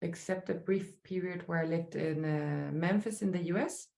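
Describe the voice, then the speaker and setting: A woman from Chile with a Chilean Spanish accent, speaking as a sculptor in an interview, thoughtful and halting with many fillers. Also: lowish voice, creaky, darkish tone. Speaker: sculptor guest. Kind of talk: interview answers. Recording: roomy echo.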